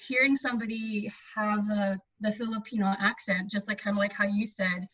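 A woman's voice: mid-range voice, steady tone, fairly quick, a bit bright, dull audio, slight background noise. A young American woman talking casually as an interview guest, chatty with frequent fillers and laughs. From Silver Spring, Maryland, US.

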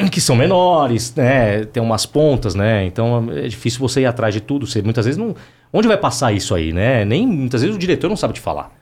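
A man with an ordinary middle-pitched voice speaks in an easy, reflective way. He is a voice actor in a relaxed conversation about his roles. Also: brisk. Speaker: voice actor guest. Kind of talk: casual chat.

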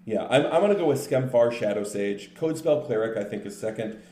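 A man co-hosting a podcast, chatting casually and explaining things in a relaxed way. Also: medium pitch. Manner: relaxed, explanatory, says card names in quick lists. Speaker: podcast co-host. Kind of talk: casual chat about card games. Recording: echoey room with faint noise.

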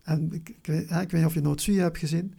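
A person with a southern Dutch accent talking reflectively in an interview, haltingly, often searching for words and repeating them. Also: mid-range voice, fairly even intonation, creaky, mellow, slightly rough. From Venlo, Limburg, Netherlands. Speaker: interview guest.

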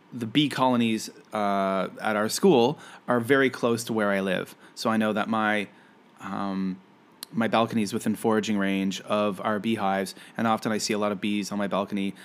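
A man's voice: fairly low pitch, a bit bright. A man from Canada hosting a casual solo podcast, talking in a friendly, rambling way with many fillers and restarts. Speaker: podcast host; environmental educator.

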